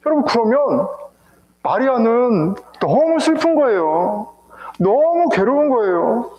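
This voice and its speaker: A man's voice: very high-pitched, very animated, slow pace, reverberant, highs cut off. A male pastor preaching an emotional sermon with rhetorical questions to his congregation, in a church sanctuary.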